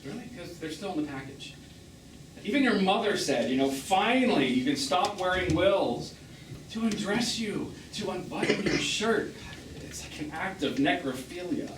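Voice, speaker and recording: A man's voice: high-pitched, expressive, normal speed, recorded from a distance. An actor playing a bitter, witty middle-aged gay man on stage, with a theatrical, sardonic, wordy manner. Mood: sarcastic. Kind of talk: one-act stage play acting. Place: small theatre, live performance. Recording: roomy, noisy theatre recording from afar.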